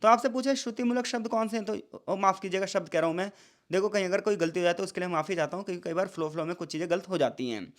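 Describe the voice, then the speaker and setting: A young man with a high, light voice gives a casual lecture. He keeps asking his listeners questions and then answers them himself, in a chatty, friendly way of explaining. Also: racing. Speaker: teacher.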